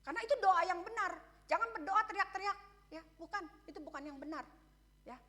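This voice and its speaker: High bright-voiced woman preaching. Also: animated, brisk. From Indonesia. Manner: asks the congregation questions, frequent "ya" and "betul?"; candid and conversational, shares personal stories. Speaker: pastor. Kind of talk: sermon.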